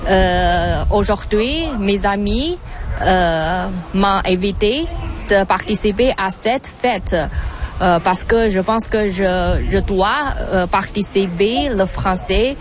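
A Chinese woman whose first language is Mandarin, speaking halting learner's French with a Mandarin accent. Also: medium pitch, over music. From China. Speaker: interviewee.

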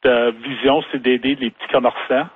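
A man from Ottawa, a chamber of commerce president, answering interview questions haltingly with restarts and fillers. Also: medium pitch, little pitch movement, husky. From Ottawa, Canada. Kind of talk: radio interview guest. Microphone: phone line. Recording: tinny phone line.

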